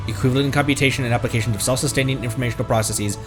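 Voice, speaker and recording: A man's voice: medium pitch, fairly even intonation, rapid-fire, music in the background. A man streaming a video game, reading its text aloud with asides and stumbling over long words.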